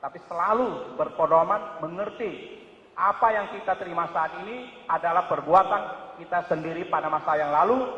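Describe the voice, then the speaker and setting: High-voiced man preaching in echoey hall. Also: normal speed. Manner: lively, acts out quoted voices, swings loud and quiet. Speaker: Buddhist speaker. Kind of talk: dharma talk. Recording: echoey hall, dull lo-fi sound.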